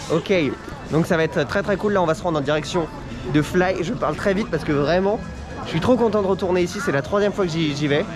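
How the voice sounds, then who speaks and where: Very fast speech with long, frequent pauses and ordinary pitch variation, plus audible room echo and background music. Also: man, high pitch for a man. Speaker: theme park vlogger. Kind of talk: vlog commentary.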